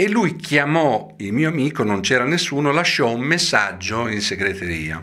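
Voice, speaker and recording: Lively intonation and a bright, sharp tone mark this man's voice, heard over a quiet background. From Rimini, Italy; Italy. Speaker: impressionist entertainer; comedian impersonator interviewed. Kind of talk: backstage interview. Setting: theatre dressing room. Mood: warm, fond storytelling.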